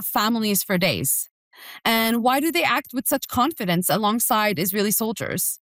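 A woman in her thirties from Jerusalem, with a voice on the high side, speaks earnestly and urgently as a guest in a remote news interview, using frequent fillers. There's no echo.

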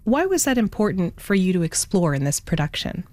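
A woman hosting a news radio show from a studio, giving steady, clear introductions. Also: fairly low pitch, a little fast, dry recording. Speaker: radio host.

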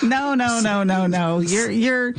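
A woman's voice: on the high side, takes it slowly, a crowd in the background. An older woman, a guest author on a radio talk show, talking frankly and teasingly with callers.

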